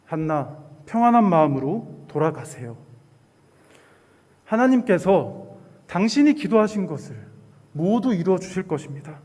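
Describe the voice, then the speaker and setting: A stern old priest from a Bible story , voiced by a man telling it to children. He speaks in a high, raised tone. The sound carries the long echo of a church hall. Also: big pitch swings, normal speed, pauses often, darkish tone. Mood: gentle blessing. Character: stern old male priest, scolding then blessing.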